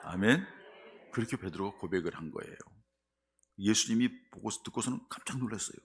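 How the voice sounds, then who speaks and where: Male pastor, sermon; husky and gravelly, lower voice, lively storytelling that builds to emphasis. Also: brisk. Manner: animated storytelling, rising to emphatic; leads the congregation in call and response.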